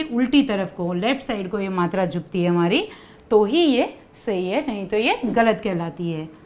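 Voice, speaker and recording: A woman's voice: on the high side, a little mellow. A woman teaching young children, coaxing them with questions and asking them to repeat sounds after her. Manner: coaxing, asks kids to repeat. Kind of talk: children's lesson.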